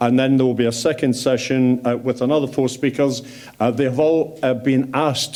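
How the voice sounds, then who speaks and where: Against noticeable background noise, a man with a medium-pitched voice talks at a moderate pace with fairly even intonation. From East London. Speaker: member of parliament. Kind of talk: welcome speech at event. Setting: parliament room with standing audience. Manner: hesitant, many fillers.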